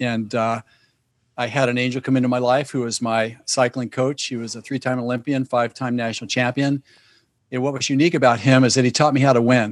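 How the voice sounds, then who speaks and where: A man with an American accent talks at a very fast pace in a medium-pitched, monotone, flat delivery. The sound is dry and close with no echo, and the recording is very clean over a silent background. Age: 60s. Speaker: performance coach, former Olympic cyclist. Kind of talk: interview.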